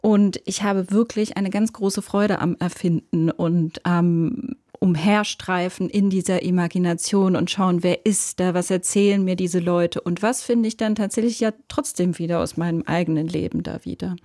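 A woman's voice: fairly low pitch, steady tone, normal speed, mellow, no room sound, studio quality. Thoughtful Swiss woman novelist in her thirties. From Switzerland. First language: Swiss German. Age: 30s. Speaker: novelist guest. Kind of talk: radio interview.

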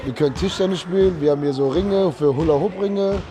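A man's voice: high-pitched, a little fast, over music. A man in his thirties talking plainly and openly in an interview. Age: 30s.

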